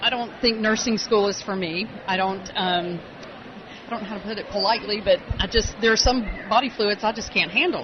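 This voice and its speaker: Noticeable background noise and audible room echo accompany a voice with a Southern US accent and fairly even intonation. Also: woman, fairly high pitch for a woman, fairly quick pace. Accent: southern twang. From US South, Atlanta, Georgia. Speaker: dental hygienist. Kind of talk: interview. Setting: conference.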